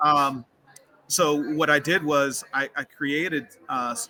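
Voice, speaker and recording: A fairly high-pitched man's voice against noticeable background noise. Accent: American. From US South, Atlanta, Georgia. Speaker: public speaker and real estate leader. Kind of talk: casual interview chat.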